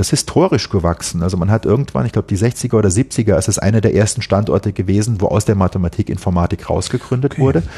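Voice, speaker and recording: Dry and close with no echo, a man's fairly low, dark, mellow, somewhat breathy voice moves at a very fast pace. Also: ordinary pitch variation, hardly any pauses, very even loudness. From Saarland. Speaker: research institute director. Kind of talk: interview.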